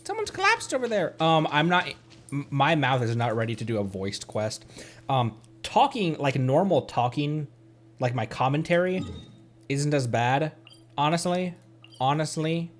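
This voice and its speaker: A man's voice: fairly high pitch, expressive, measured pace, faint music behind. A man doing casual live game commentary, playfully muttering to himself and chatting to his viewers. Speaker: streamer.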